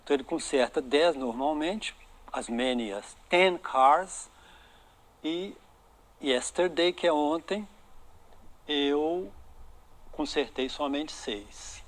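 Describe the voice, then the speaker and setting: A man with a Brazilian Portuguese accent teaching English to students, reading dialogue lines slowly for pronunciation practice. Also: fairly high pitch. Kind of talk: online English lesson in Portuguese.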